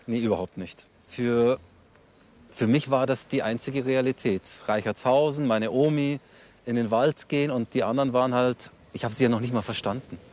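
A man in his forties from Munich, an interview guest telling his life story in relaxed, reflective conversation with a few fillers, outdoors on a city street. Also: mid-range voice, moderate pace. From Germany, Munich. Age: 40s.

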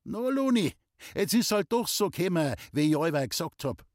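A man's voice: sits high, sing-song, normal speed, no echo, studio quality, voice pushed up. A man reading a novel aloud and voicing a boastful young village man in Bavarian dialect.

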